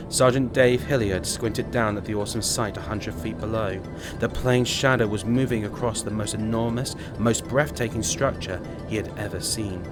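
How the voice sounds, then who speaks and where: A man reading a dramatic audiobook as narrator, in scripted storytelling style. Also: lowish voice.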